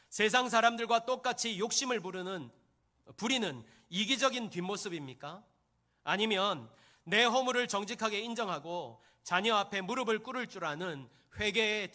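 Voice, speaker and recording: Bright, high-voiced pastor preaching. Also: male voice. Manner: storytelling with rhetorical questions to the congregation; addresses listeners as "여러분". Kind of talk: sermon.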